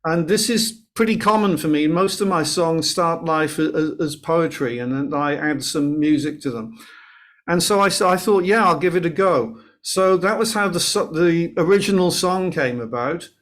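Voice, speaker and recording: A man's voice: on the high side, normal speed, a bit bright. A man, a guest singer-songwriter chatting and telling a story about his song on a video call, with some restarts. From Wales. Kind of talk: casual interview chat.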